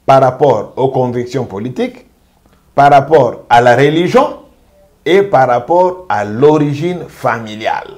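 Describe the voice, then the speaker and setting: A man speaking as a jurist gives an interview. His voice sits at an ordinary middle pitch. He builds a deliberate, emphatic argument, stressing each point and repeating it. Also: expressive, darkish tone. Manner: emphatic, measured legal argument with deliberate repetition. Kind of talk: interview commentary.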